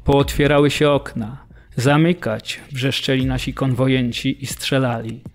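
Male actor as prisoner, flat intonation, medium pitch, radio play memoir telling. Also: measured pace, faint music behind, close to an everyday voice. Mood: recounting. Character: male prisoner recalling the forced march. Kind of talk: dramatised documentary memoir reading.

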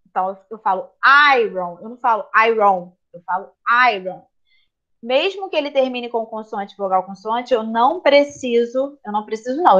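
A woman with a Brazilian Portuguese accent, teaching a class online and patiently explaining grammar while checking in with students. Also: on the high side. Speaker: English teacher. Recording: slightly dull lo-fi audio.

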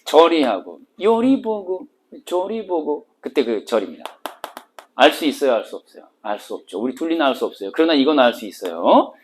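A man's voice: a little high, very animated, brisk, darkish tone, breathy edge. A middle-aged man teaching literature for an exam, joking and firing rhetorical questions at his students. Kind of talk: exam-prep lecture.

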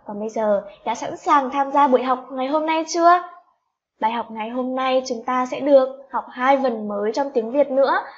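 A woman primary school teacher, leading a spelling lesson for young children, stretching out each sound and asking the class coaxing questions. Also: high-pitched. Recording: slightly dull lo-fi recording.

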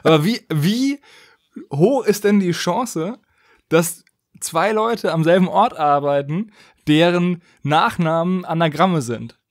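Male cohost, slightly high voice, casual chat, questions everything. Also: slow pace. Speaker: podcast host. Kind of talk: casual discussion.

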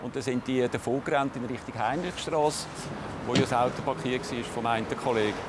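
A man's voice: mid-range voice, a little fast. A man with a Swiss German accent, a police investigator, recounting events plainly in a documentary interview on a city street. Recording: street noise behind. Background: urban street noise, passing vehicles.

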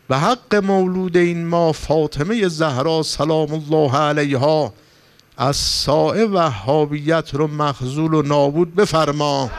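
A man's voice: a little high, clear, resonant tone. A male cleric preaching a sermon in Persian, telling stories with passion and rising to emphatic, pleading points. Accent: Persian, from Iran. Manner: impassioned storytelling, rising for emphasis. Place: religious gathering hall.

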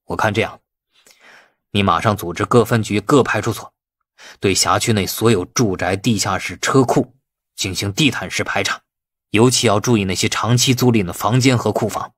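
A man's voice: fairly low pitch, moderate pace, fairly bright tone, dry recording, studio quality. A man voicing an irascible, calculating police chief in an audiobook, blustering and commanding. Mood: urgent, calculating.

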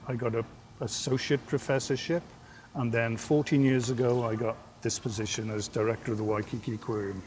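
A man's voice: mid-range voice, fairly quick, a little hiss or hum. An older man from Wales speaks in an easy, articulate way, recorded outdoors on a lapel mic. Faint outdoor ambience sits under his voice. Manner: articulate, relaxed storytelling. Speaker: aquarium director. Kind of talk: TV interview. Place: outdoors at a seaside aquarium.

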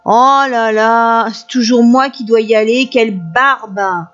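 A woman's voice: sits high, lively intonation, slow pace, bright, forceful tone, voice pushed up, exaggerated voice. A woman voicing a rude, grumpy little girl in a black hood, bossy and scornful, in a storybook reading. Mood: grumbling. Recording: dull lo-fi recording, faint music.

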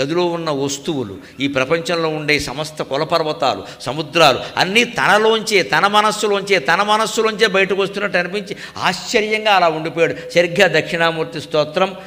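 A man's voice: high voice, bright, forceful tone. Older Telugu man giving a devotional discourse. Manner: chants Sanskrit verses slowly in a sing-song. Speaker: spiritual speaker. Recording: long hall reverb.

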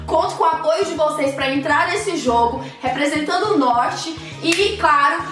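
A woman's voice: sits high, moderate pace, fairly bright tone. A woman in her thirties from northern Brazil, cheerfully introducing herself in an audition video. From Araguaína, Tocantins. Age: 30s. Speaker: reality show applicant. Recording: very echoey, distant, faint music.

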